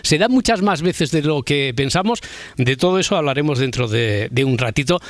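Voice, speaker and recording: A man's voice: fairly high pitch, expressive, normal speed, no room sound. Chatty Spanish radio host man. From Spain. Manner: chatty, repeats words, eager. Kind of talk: late-night radio talk. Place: radio studio.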